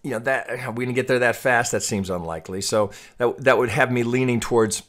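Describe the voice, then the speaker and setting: A man giving an off-the-cuff trading chart tutorial, thinking aloud in a halting way and often repeating his words. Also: mid-range voice, a bit bright. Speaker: trading analyst and host.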